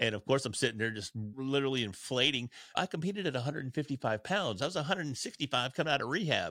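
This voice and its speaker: Speaking very fast with hardly any pauses, a man with a Texan accent uses lively intonation and a bright, sharp tone at medium pitch, on a very clean recording with a silent background. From North Texas. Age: 50s. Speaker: podcasting mentor. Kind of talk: interview.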